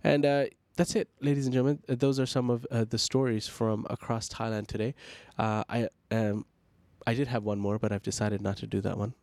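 A man's voice: mid-range voice, little pitch movement, brisk, hardly any pauses, darkish tone, no echo. Nasal-sounding male news host. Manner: fluent news read, then chatty with fillers and restarts. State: congested, nasal voice. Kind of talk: reading news, then casual sign-off chat.

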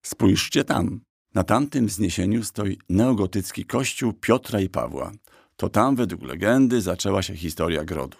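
A man lends his voice to a small black talking horse, boastful and mischievous, telling his tale with a sly, mocking edge. The voice sits low with a husky grain. It sounds close and dry, as in an audiobook. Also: lively intonation, normal speed, no room sound, exaggerated voice. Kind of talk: audiobook character voice.

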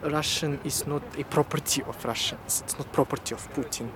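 A man's voice: fairly high pitch, fairly even intonation, a little fast. A man from Kyrgyzstan speaking earnestly outdoors in a city square, stammering a little when searching for words. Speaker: interviewee. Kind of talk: casual interview answers. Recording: faint outdoor traffic noise.

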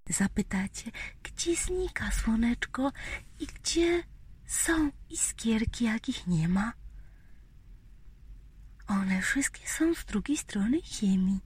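A woman telling a bedtime story to small children in a whispery, breathy voice, gently repeating phrases and asking them questions. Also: a little high, lively intonation. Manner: slow, gentle, addressing little children with repetitions and questions.

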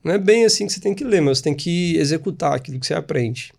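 He races through his words in a gravelly, slightly high voice. The speaker, a man in his thirties from Espírito Santo with a Brazilian Portuguese accent, is a podcast guest sharing stories about his life in a casual interview. His manner is lively and talkative, full of tag questions.

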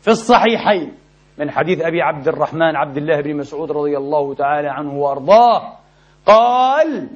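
A man preaching a sermon in a mosque, impassioned and emphatic, with sharp rises in his delivery. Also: fairly high pitch, animated, fast. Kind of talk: Friday sermon. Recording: dull lo-fi recording.

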